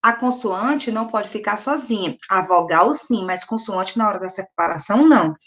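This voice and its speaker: A woman's voice: medium pitch, animated, moderate pace, fairly bright tone. A middle-aged Brazilian woman teaching a recorded first-grade lesson, patiently asking questions and sounding words out syllable by syllable. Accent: Brazilian Portuguese. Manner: patient, asks children questions and answers them. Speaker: primary school teacher.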